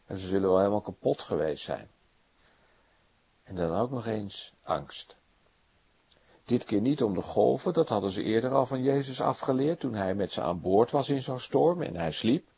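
A man preaching a sermon, retelling the story dramatically and moving between soft, low passages and emphatic high ones. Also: lively intonation, moderate pace, creaky, breathy edge.

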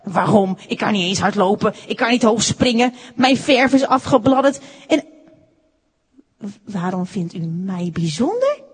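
A woman reading aloud puts on a small wooden puppet boy from a storybook, shy and unsure of himself. His hesitant questions rise and fall, a little breathy, and the room rings with a long echo. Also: medium pitch, very animated, unhurried, heavily acted. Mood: timid, wondering. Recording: echoey room with long reverb.

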